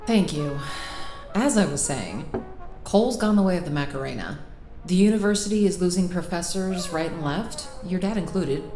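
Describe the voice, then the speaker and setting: An actress voices an opinionated, teasing woman in a natural-sounding audio drama. Her pitch swings freely as she argues and playfully bosses. The room rings around her, with faint music behind. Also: animated, normal speed, dark tone, reverberant, natural voice. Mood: insistent, lecturing. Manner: bossy, argumentative, playful. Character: opinionated, teasing adult woman, animated over wine.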